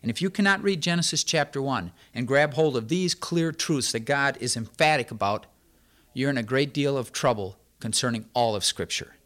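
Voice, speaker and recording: A man's voice: medium pitch, normal speed, a bit bright. A man giving an emphatic sermon, stressing points through repetition as a Bible teacher.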